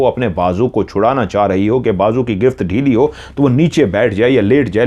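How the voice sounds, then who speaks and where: A man narrating a first-person horror story in a measured, dramatic way, dropping into hushed tones at tense moments. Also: fairly low pitch. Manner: measured, hushing to near whispers in tense moments.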